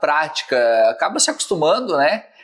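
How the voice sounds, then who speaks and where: This man's voice is fairly high, and he keeps a moderate pace. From Brazil, Santa Catarina interior (Tubarão). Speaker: podcast host. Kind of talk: casual interview chat.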